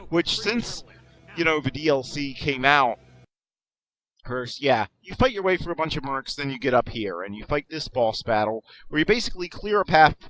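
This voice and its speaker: Over video game footage, a man offers rambling, casual let's play commentary full of sarcastic jokes at his own expense, frequently starting sentences over. He speaks at a normal pace in a slightly high, somewhat bright voice with big pitch swings.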